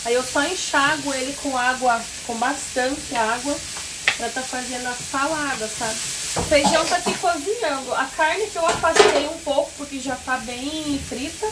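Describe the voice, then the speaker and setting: A woman's voice: sits high, moderate pace, very noisy. A woman with a Brazilian Portuguese accent from Paraná, chatting casually through her cooking in a home kitchen and often checking in with her viewers. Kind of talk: casual step-by-step cooking narration. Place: home kitchen with wood stove. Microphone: phone camera. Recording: food sizzling in the background.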